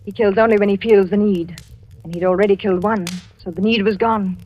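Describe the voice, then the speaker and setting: An actress playing a French wife in wartime, secretive and deceptive, speaking in hushed, measured 1940s radio drama style. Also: female voice, medium pitch, fairly even intonation, dull audio, lightly acted. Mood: grave.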